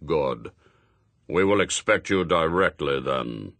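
A man voicing a lofty, imperious heavenly spokesman for God in a storybook, speaking in a pompous, measured, formal way. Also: very deep voice, lively intonation, creaky, a bit bright, dry recording, voice pushed down, full character voice. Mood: coolly commanding.

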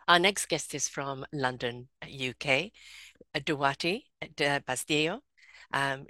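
Low-voiced woman host, dry sound. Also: pushed and bright, dry recording. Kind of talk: introducing guests in an online talk.

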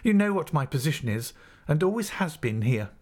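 Man performing assistant teacher, audiobook character, higher pitch, formal, restrained, humble but wounded dignity. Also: big pitch swings, a little fast, a little mellow. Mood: restrained, resigned. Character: aggrieved, dignified, humble male assistant schoolteacher.

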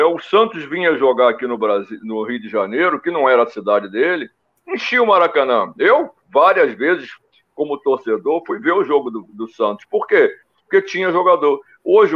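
Middle-pitched male pundit, animated storyteller, muffled lo-fi sound. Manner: animated storytelling, lists names. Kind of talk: casual panel discussion. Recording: dull lo-fi recording.

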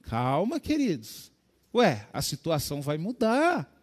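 A man with a Brazilian Portuguese accent preaching a sermon as pastor, his voice swinging from soft storytelling to sudden loud, high calls. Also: wildly swooping pitch, slow. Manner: preaching with sudden rises in pitch and volume, addressing "queridos".

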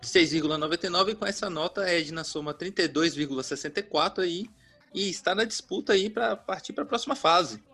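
A man's voice: high-pitched, a little fast, fairly bright tone, soft background music. A man co-hosting a comedy podcast, announcing scores in a matter-of-fact way. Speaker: podcast co-host judge.

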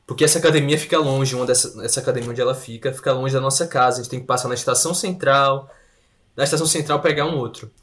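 A man's voice: mid-range voice, fast. A man, telling mishap stories in a casual chat and laughing along as he goes. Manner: animated anecdote telling, laughing through stories.

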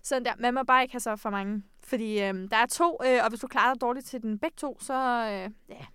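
A woman's voice: on the high side, a bit bright, clean tone, dry recording, studio quality. A teenage girl co-hosting a podcast, chatting playfully and spinning vivid, rambling comparisons. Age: late teens. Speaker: podcast co-host. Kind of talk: casual chat.

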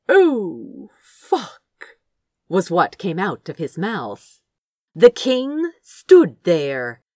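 A woman reading fiction aloud as an expressive, theatrical narrator with deliberate phrasing. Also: medium pitch, no room sound, clean studio sound. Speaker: audiobook reader of fan fiction. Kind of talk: expressive dramatic scripted narration.

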